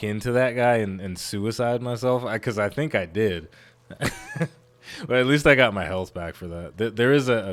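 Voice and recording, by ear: Someone reads aloud in a natural voice, and the pitch varies in an ordinary way.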